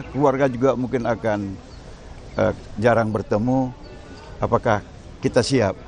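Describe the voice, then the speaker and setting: A man giving a formal statement to the press, speaking in a measured, deliberate way with frequent pauses and fillers. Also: medium pitch, darkish tone. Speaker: political appointee speaking to press.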